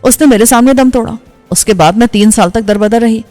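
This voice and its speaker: A woman voicing a bold, forward young woman who talks quickly and frankly. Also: a little high, dark tone, big-room sound, soft background music, close to an everyday voice.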